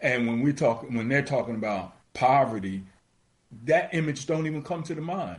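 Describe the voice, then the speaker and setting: Fairly high-pitched, somewhat breathy male voice at a moderate pace, with lively intonation. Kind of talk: radio talk discussion. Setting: phone call.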